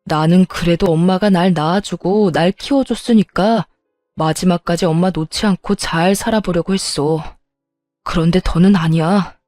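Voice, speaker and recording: A woman's voice: fairly low pitch, normal speed, mellow, no echo, studio quality, soft background music, close to an everyday voice. A woman reading a fed-up son scolding his mother. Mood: resolute. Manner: exasperated, raised voice.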